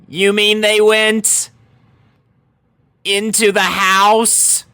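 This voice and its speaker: A man's voice: high voice, little pitch movement, very slow, pushed and bright, clean tone, no room sound, pitched above the performer's own voice, heavily acted. A man voicing a brash, hot-tempered female cartoon pegasus pony in an exclamatory, exasperated way. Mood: anxious, puzzled. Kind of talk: animated fan fiction character reading.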